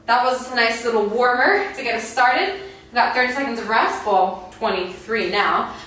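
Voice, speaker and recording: A woman's voice: on the high side, moderate pace, fairly bright tone. A young woman giving casual, informal workout instructions, explaining each exercise. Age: young adult. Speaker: fitness instructor. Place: bare white indoor room. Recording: echoey room, distant mic, faint noise.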